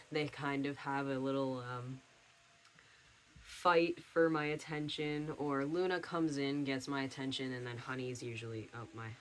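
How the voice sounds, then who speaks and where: Young man, casual video diary, rambling, many fillers, medium pitch, camera mic, light background hiss. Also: fairly even intonation, unhurried. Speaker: vlogger. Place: at home.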